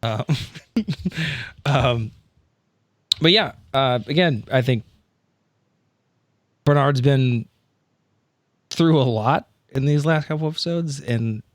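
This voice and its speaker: Man, casual podcast chat, joking, self-deprecating, medium pitch, dry close recording. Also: slow pace, pauses often, no echo. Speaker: tabletop game podcast player.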